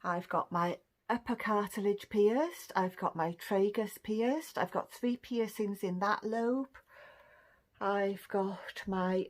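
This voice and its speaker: A middle-aged Welsh woman from Cardiff, chatting casually through a list of questions for her vlog, with frequent ums and laughter. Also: mid-range voice. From Cardiff, Wales. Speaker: vlogger. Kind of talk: casual chat answering a question tag.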